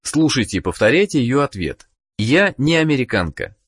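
A man narrating a language course, giving the listener clear prompts and questions to answer. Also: medium pitch, big pitch swings, normal speed, fairly bright tone. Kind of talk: scripted instructional narration.

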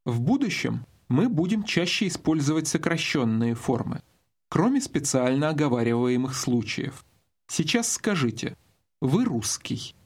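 A man narrating a scripted language course, giving slow, deliberate instructions. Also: fairly high pitch, big pitch swings, breathy edge.

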